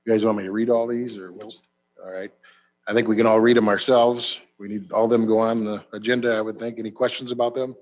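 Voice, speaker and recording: A man chairing a county committee meeting, moving briskly through motions and votes. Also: on the low side, level tone, muffled recording.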